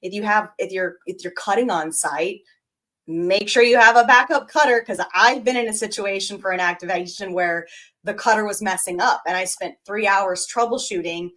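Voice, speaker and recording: A woman co-hosting a live podcast, talking in a lively, animated way and reading out viewer comments. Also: medium pitch, moderate pace. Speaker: podcast co-host. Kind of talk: casual live podcast chat.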